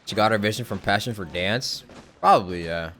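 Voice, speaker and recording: A man's voice: on the low side, a little fast, fairly bright tone, soft background music. A young man casually commenting on a game story during a live stream, rambling with hedges and the odd swear word.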